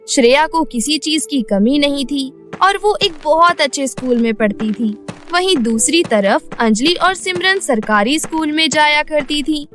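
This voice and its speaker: High-pitched woman narrating a bedtime story. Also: a bit bright.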